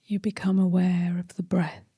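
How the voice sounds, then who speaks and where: A woman leading a guided meditation as a teacher, speaking gently in a soft, hushed, breathy voice with long pauses between short phrases. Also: on the low side, monotone, dry recording.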